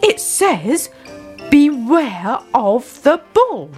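A woman's voice: sits high, big pitch swings, very slow, a little mellow, soft background music, full character voice. A woman voicing a stern but kindly male farmer who speaks in a scolding tone.

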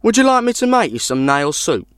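A woman's voice: low voice, big pitch swings, brisk, pitched above the performer's own voice. A woman voicing a hungry, crafty wandering man who coaxes and persuades. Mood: coaxing.

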